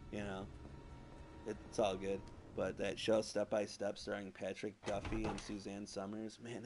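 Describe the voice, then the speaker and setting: A man talks over his game stream in a loose, rambling way, tossing in "like" and curse words as he plays. His voice sits a little low, and a steady hiss runs under it from a cheap console streaming mic. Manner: rambling and crude, heavy use of "like" and swearing. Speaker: gameplay streamer. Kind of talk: casual let's-play commentary. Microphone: PS4 streaming mic. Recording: noisy home stream audio.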